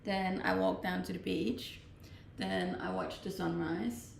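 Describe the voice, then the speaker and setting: Speaking slowly in a low, gravelly voice, a young Danish woman handles chat questions on her stream, first reading them out and then replying in a relaxed way. The distant-mic home recording sounds roomy, with some hiss or hum.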